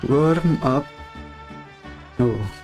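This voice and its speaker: A man's voice: mid-range voice, very slow, darkish tone. A man with an Indonesian accent casually reacting with short, offhand remarks while streaming a game. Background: game music.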